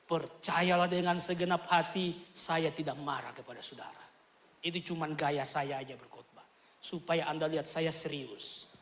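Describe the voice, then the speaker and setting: A male pastor preaching a sermon, animated, with loud bursts and quiet joking asides. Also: on the high side. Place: church. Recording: echoey church hall.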